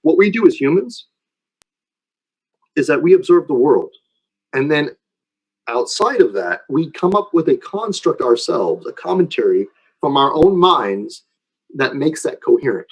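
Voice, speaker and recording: A man's voice: a little high, very animated, measured pace, long pauses, breathy edge, poor audio. A man lecturing informally and taking questions, explaining in a conversational way and often checking that listeners follow.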